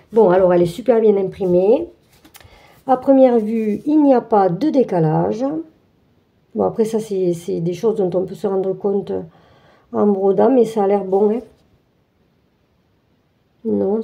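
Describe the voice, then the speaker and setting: A woman talks her viewers through an unboxing in a loose, chatty way, full of hesitations and restarts. Her voice is very dark and mellow at a middling pitch. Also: normal speed, vocal fry, long pauses, highs cut off. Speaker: craft channel host. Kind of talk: casual unboxing walkthrough.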